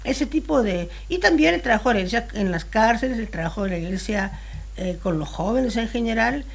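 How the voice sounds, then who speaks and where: A woman in her sixties, born in Spain, talking as an interview guest in a relaxed, thoughtful way and pausing to search for her words. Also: fairly high pitch, gravelly, slightly rough.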